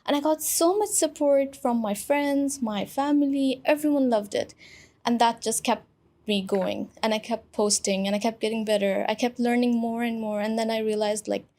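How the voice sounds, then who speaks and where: A woman's voice: on the high side, moderate pace, warm tone. A young woman from Pakistan, a guest in an interview, telling her story in a chatty way with many fillers. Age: young adult. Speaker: guest, influencer. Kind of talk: casual interview conversation.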